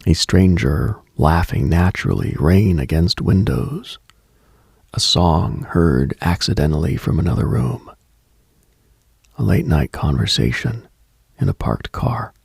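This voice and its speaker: A man hosting a late night radio monologue in a hushed, brooding, contemplative manner, speaking deliberately with long pauses into a close microphone. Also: sits low, sing-song, no echo. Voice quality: husky, gravelly.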